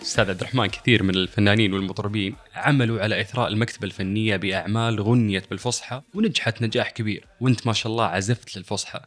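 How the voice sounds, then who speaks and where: A man's voice: lowish voice, fairly even intonation, racing, fairly bright tone, soft background music. A man hosting an interview, asking formal, polished questions. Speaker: interviewer host.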